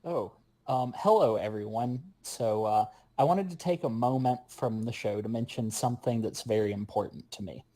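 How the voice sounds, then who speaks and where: A man from a show's cast giving a prepared announcement in formal, measured wording. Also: mid-range voice, mellow, poor audio. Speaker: show cast member.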